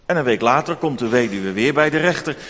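A man telling a Bible story to children in an expressive, animated way. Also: medium pitch, a little fast. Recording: long hall reverb.

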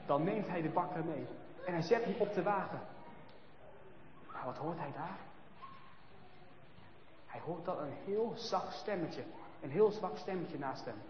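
A man tells a children's story in an expressive voice that swings between hushed and loud. His voice is high. The sound is dull and echoes in a long hall, with faint ambience behind. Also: takes it slowly, pauses often, noisy background.

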